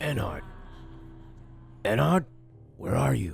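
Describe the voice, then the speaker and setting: The speaker uses a put-on character voice that sounds raspy. Clear background noise can be heard. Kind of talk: Minecraft role play. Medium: role play. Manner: earnest, worried.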